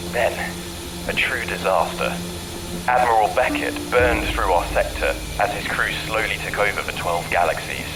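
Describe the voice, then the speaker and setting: Solemn actor as scientist on a noisy recording. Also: male voice, on the low side, normal speed, close to an everyday voice. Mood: grave confession. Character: grave, remorseful male scientist, desperate father. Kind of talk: audio drama monologue. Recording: clearly noisy recorded message.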